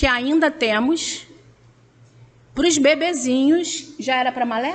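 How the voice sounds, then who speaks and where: This woman's voice sits high in pitch, with ordinary variation. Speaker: teacher speaking at spiritist centre anniversary. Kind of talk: personal testimony speech. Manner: animated.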